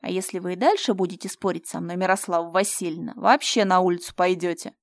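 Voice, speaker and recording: A woman voicing a cruel, domineering young man who shouts threats. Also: fairly low pitch, quick pace, no room sound, studio quality, close to an everyday voice. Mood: menacing.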